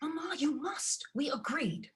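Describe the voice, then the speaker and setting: A woman voicing a haughty, snappish young stepsister in a storybook reading, demanding and sharp-tongued. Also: fairly high pitch, huge pitch swings, normal speed, pitched above the performer's own voice, heavily acted.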